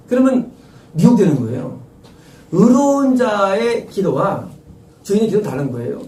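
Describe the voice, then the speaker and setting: A middle-aged man preaches a sermon from a church sanctuary, his voice high and lively, swooping up and down as he hammers his points with rhetorical questions. His tone is dark and mellow, heard from some distance in a reverberant room. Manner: emphatic, rhetorical questions, repeats key phrases. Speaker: pastor. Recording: roomy echo, distant mic.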